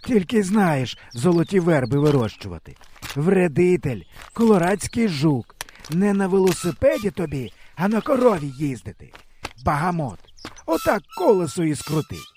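A man's voice: sits high, darkish tone, slight background noise, voice pushed up. A man voicing a grumpy old village grandfather who scolds and twists words in an audiobook reading. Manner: grumbling, scolding rant. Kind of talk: audiobook character voice.

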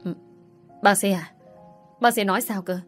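A man's voice: high voice, steady tone, normal speed, a bit bright, faint music behind. A man voicing a distraught young father who pleads frantically in a narrated story. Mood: frantic.

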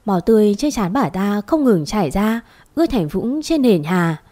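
A woman's voice: mid-range voice, big pitch swings, normal speed, dark tone. Woman narrating a dramatic family story.

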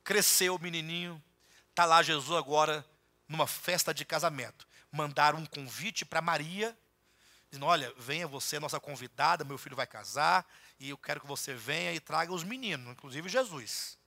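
A man with a Brazilian Portuguese accent preaching a sermon as a bishop, acting out dialogue and rising to loud, emphatic peaks. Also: a little high, normal speed. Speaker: bishop preaching a Bible study. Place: church.

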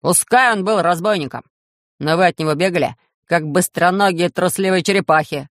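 A man voicing a bold young male mole warrior in an audiobook, loud and defiant. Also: sits high, fairly quick, dry recording, clean studio sound.

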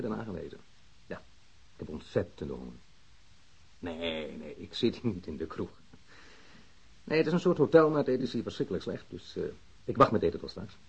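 A slippery male gangster in a radio drama, all evasive innocence. His very low voice is strongly husky and swoops expressively, with hesitant, smooth talk. The recording sounds slightly dull. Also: a little mellow, full character voice. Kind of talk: Dutch radio drama acting.

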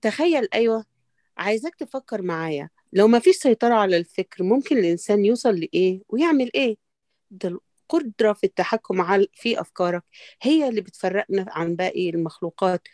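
A woman's voice: medium pitch, expressive, fast talker, a little mellow, no room sound, studio quality, natural voice. A woman with an Egyptian Arabic accent, acting a conservative woman troubled by free thinking in a play rehearsal. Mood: earnest.

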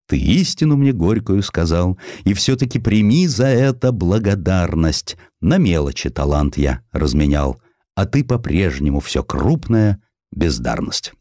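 A man's voice: low voice, sing-song, measured pace, mellow, no room sound, clean studio sound. A man voicing a witty, bitter poet who recites epigrams in a declamatory, sardonic way for a literary audiobook. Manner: declamatory, sardonic, pointed phrasing.

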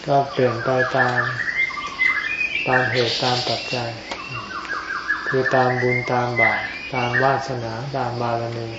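A man giving an informal Buddhist sermon as a monk, in a low-key murmur, with short phrases and pauses. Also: little pitch movement. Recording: echoey, dull lo-fi, noisy with insects.

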